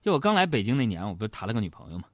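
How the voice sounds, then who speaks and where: A man's voice: lowish voice, very animated, rapid-fire, no room sound, clean studio sound. A middle-aged man, hosting a comic storytelling monologue. He is chatty and teasing and keeps asking his audience rhetorical questions. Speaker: comedy talk show host.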